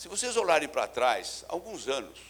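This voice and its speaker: This man's voice has a bright, sharp tone and very wide pitch swings. He talks at a fairly slow pace. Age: 80s+. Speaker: insurance executive and speaker. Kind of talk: lecture.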